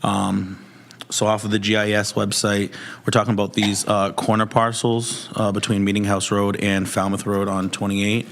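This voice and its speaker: Male petitioner, hoarse, lowish and monotone, giving a courteous semi-formal presentation at a public meeting. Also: normal speed. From Mashpee, Massachusetts, United States. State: hoarse, voice partly lost. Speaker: petitioner addressing a commission. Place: town hall meeting room.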